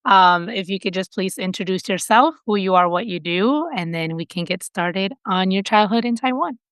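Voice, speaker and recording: An upbeat woman hosts a podcast and speaks with a smooth, resonant voice. The sound is close and dry, with no room around it. She is effusive and quick with thanks. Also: mid-range voice, fairly bright tone, no room sound. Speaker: podcast host. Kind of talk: podcast interview and sponsor announcement.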